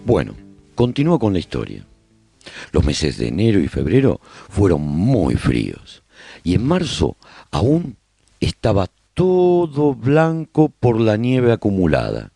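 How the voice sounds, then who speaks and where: Deep, husky man acting as a survivor broadcaster. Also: huge pitch swings, unhurried, mellow, no room sound, faint music behind, exaggerated voice. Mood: reflective storytelling. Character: male survivor broadcasting his community's story after humanity's collapse. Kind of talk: radio serial monologue, storytelling to listeners.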